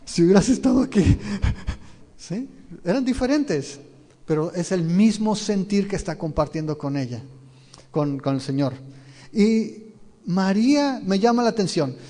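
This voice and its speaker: A man's voice: high voice, darkish tone. A man, a pastor teaching a verse-by-verse Bible sermon. He often asks his listeners questions and retells the scenes vividly. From Mexico. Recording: long reverb of a large hall.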